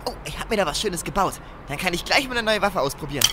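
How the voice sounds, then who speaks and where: Hoher, aufgekratzter Gangjunge. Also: male voice, sits high, fast talker, a little hiss or hum. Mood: excited. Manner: excitable, slangy. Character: eager, boyish male gang member proud of homemade weapons. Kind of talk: German audio drama acting.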